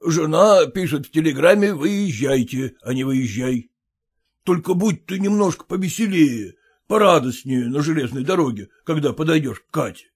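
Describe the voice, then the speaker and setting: A stern older father-in-law, bossy and sure of himself, lecturing at a deliberate pace, as a male storyteller plays him. His voice sits fairly high for a man and moves in lively swings as he instructs. He scolds and corrects, always in charge, in a storybook reading. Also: husky.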